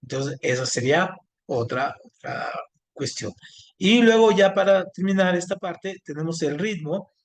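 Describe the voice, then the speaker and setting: A man teaching an online class, speaking haltingly with many fillers and restarts. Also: sits high. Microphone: video call.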